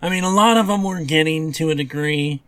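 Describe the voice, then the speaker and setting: A man's voice: on the high side, a little fast, a bit bright, clear, resonant tone. A man co-hosting a podcast, chatting casually and informally. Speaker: podcast co-host. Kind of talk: casual chat about movies and video games.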